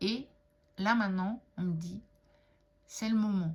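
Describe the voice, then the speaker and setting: A woman's somewhat breathy voice at a fairly slow pace, with ordinary pitch variation. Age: 60s. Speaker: tarot card reader and vlogger. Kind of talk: casual vlog monologue. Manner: hesitant with many fillers.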